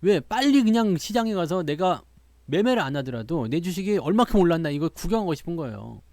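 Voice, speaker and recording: A man's voice: fairly high pitch, sing-song, a little fast, darkish tone, no room sound. A man hosting a stock market show, talking casually and boastfully with many rhetorical questions.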